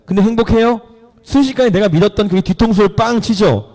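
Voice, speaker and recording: A man's voice: high voice, fast, darkish tone. A man preaching a sermon in church, retelling a story with playful questions to the congregation and acted-out voices. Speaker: pastor.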